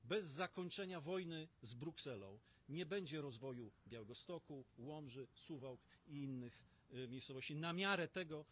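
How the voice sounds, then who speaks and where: A man's voice: on the high side, animated, fairly bright tone, slight background noise. A middle-aged man giving an emphatic political statement at an outdoor press conference, speaking into a cluster of stand mics. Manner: emphatic, rallying, with pauses and fillers. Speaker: opposition politician. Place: outdoor terrace in front of a banner.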